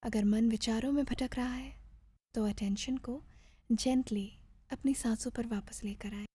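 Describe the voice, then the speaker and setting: A woman leads a guided meditation in a soft, breathy voice. She speaks slowly and gently, leaving pauses between measured instructions. Her voice sits a little high yet stays mellow, captured close and dry. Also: steady tone, dry recording.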